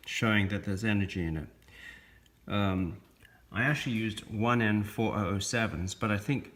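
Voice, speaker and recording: A man presenting a science video, explaining a demonstration step by step in measured, halting short phrases. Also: fairly low pitch, a bit bright. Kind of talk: explanatory narration of an electronics demonstration.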